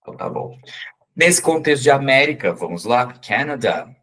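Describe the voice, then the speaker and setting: Husky-voiced Brazilian man teaching. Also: mid-range voice, expressive, a bit bright. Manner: chatty, with frequent "tá?" and "né?" check-ins, slowly spelling out English words. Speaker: English teacher. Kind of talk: casual explanatory lesson.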